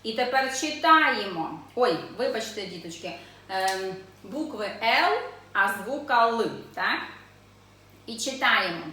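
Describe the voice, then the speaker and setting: A woman teaching young children to read, sounding out syllables slowly and asking the class questions in a sing-song way. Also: mid-range voice, expressive, sharp tone. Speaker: preschool teacher. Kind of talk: children's literacy lesson. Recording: echoey room, voice from a distance.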